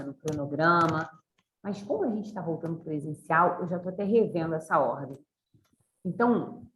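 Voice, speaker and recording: Chatty woman teacher in an echoey room. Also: on the low side. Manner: chatty, encouraging, uses many fillers. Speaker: university teacher. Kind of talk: online class discussion. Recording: echoey room with faint noise.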